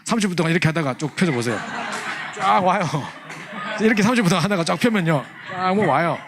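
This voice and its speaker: A man's voice: sits high, lively intonation, fast talker, background noise. A man telling a humorous testimony to a church class, acting out his younger self. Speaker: church youth leader teaching a training class.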